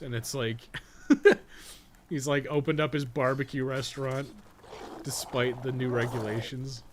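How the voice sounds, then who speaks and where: A Canadian-accented man in his thirties with a mid-pitched voice hosts a gaming stream. He rambles casually and colloquially, swearing freely as he goes. There is noticeable background noise in the recording. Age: 30s. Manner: profane, colloquial. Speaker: gaming livestream host. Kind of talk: casual rambling stream chat while playing.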